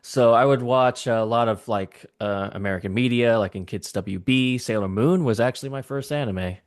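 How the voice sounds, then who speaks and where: A man's voice: medium pitch, moderate pace. A man in his thirties whose first language is Vietnamese, chatting casually as a podcast guest and gushing eagerly about cartoons. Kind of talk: casual chat.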